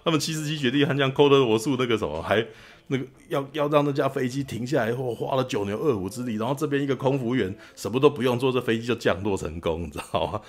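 A man's voice: medium pitch, quick pace. A man with a Taiwanese Mandarin accent hosting a podcast, animatedly retelling a film scene in casual chat and tagging his lines with "you know?". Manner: animated retelling, frequent "you know?" tag, laughs often. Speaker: podcast host.

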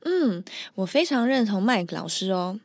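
A woman's voice: mid-range voice, big pitch swings, measured pace, no echo. A woman co-hosting a language-learning podcast, chatting easily and agreeing with her partner. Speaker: podcast co-host and teacher.

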